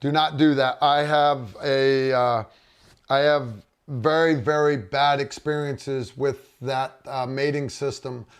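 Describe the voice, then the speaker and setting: A man's voice: medium pitch, fairly even intonation, slow pace, clear, resonant tone. A middle-aged man hosting a casual livestream, reading viewer comments and rambling with frequent restarts. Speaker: livestream host.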